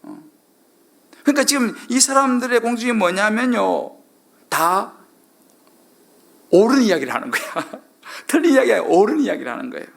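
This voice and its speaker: A man's voice: sits high, very animated, normal speed, vocal fry, long pauses. A middle-aged male pastor preaching a sermon, constantly asking the congregation questions and acting out quoted lines.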